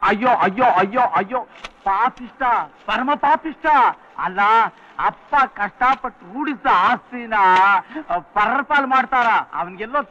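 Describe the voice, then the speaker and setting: A man's voice: extremely high pitch, moderate pace, pushed and bright, lo-fi sound. Vengeful bitter old father. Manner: theatrical, threatening. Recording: old film soundtrack with music.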